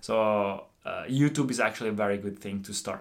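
A man talks at a fairly quick pace with an Italian accent. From Italy. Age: 20s. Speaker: YouTuber. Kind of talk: casual vlog monologue. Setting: home studio. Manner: hesitant.

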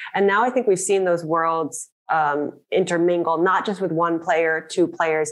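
A woman with an American accent at a fairly slow pace, very even loudness, fairly even intonation and hardly any pauses. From New Jersey. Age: 30s. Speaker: podcast host. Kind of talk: casual interview.

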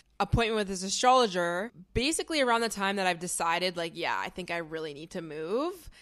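Recorded very cleanly with a silent background, a woman with a Canadian accent and medium pitch talks at a fairly quick pace with ordinary pitch variation. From Ontario, Canada (near Toronto). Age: 20s. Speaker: podcast host. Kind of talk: solo storytelling monologue. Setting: home recording, city noise outside. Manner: casual, chatty.

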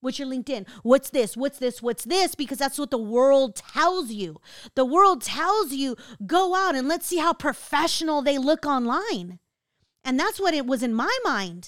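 A woman with an American accent, high in pitch, with an animated tone and very wide pitch swings at a moderate pace, on a very clean recording with a silent background. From California, Bay Area (Daly City). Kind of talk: solo podcast monologue.

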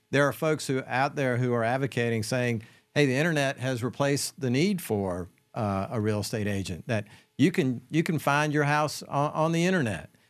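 Speaking in a South Carolina accent, a man uses lively intonation. The background is quiet. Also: medium pitch for a man, moderate pace. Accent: US Southern (South Carolina). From South Carolina, Florence (Pee Dee area). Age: 50s. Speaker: real estate association executive. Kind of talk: interview.

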